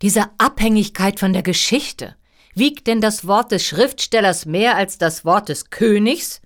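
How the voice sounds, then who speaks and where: Woman voicing an imperious, exasperated fairy-tale king, very animated. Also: mid-range voice, a little slow, pitched above the performer's own voice. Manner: loud, commanding, scolding.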